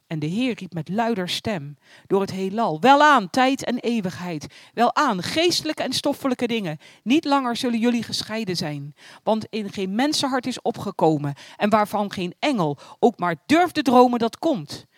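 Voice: mid-range voice, sing-song, moderate pace, no echo, studio quality, close to an everyday voice. A storyteller voicing God as a male figure who speaks in solemn, proclaiming tones.

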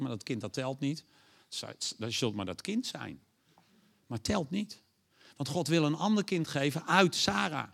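Gravelly-voiced man preaching a sermon. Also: on the high side. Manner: animated, acts out God's lines with loud raised voice; asks the audience questions.

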